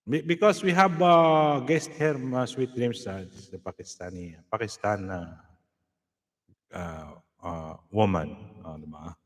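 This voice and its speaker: A man hosts a casual live stream, chatting with viewers and laughing easily. His pitch rises and falls a lot as he talks. The sound has a long, hall-like reverb. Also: lively intonation, takes it slowly. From Philippines. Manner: chatty, reads out viewer comments and shout-outs, laughs often.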